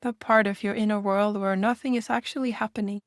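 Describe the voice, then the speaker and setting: A woman leading a guided meditation in a gentle manner, speaking in unhurried invitations with long pauses. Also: mid-range voice, steady tone, no room sound, studio quality.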